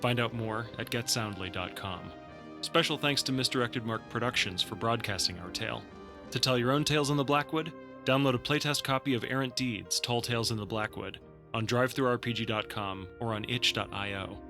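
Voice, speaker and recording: A man's voice: mid-range voice, brisk, vocal fry. A man delivering scripted end credits for an audio drama as its announcer. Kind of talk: scripted narration. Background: theme music.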